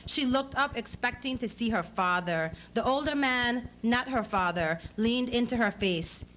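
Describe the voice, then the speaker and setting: A woman's voice: a little high, lively intonation, a little slow, a bit bright. Woman giving a dramatic story reading, noisy recording. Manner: acts out dialogue in character voices. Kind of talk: dramatic literary reading of fiction. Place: live lecture event. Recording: clearly noisy live event recording.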